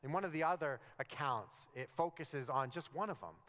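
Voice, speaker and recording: A male pastor preaches in a lively, conversational way, and his voice sits a little high. He swings his pitch widely and sometimes sinks to a hush for effect. The long reverb of a church hall trails after his words. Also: normal speed. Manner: animated, conversational preaching that drops to near-whispers for emphasis. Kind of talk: sermon. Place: church sanctuary.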